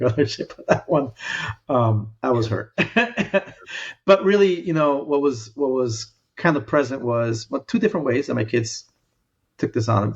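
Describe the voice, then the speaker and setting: A man in his late forties from El Salvador with a gravelly, husky low voice. He talks thoughtfully as a podcast guest, often pausing and restarting, and the recording sounds slightly dull. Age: 40s. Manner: thoughtful, many fillers and restarts. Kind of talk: reflective conversation.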